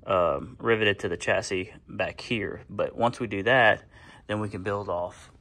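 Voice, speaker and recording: A man, talking through his garage fabrication work in a relaxed, rambling way, full of fillers. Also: fairly low pitch, measured pace. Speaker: fabricator and channel host. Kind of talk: casual shop vlog. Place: garage workshop.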